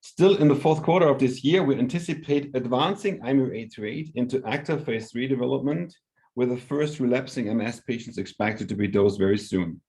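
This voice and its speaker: A man giving a prepared company update on an earnings call as an executive, formal and measured in his phrasing. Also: medium pitch, darkish tone, poor audio.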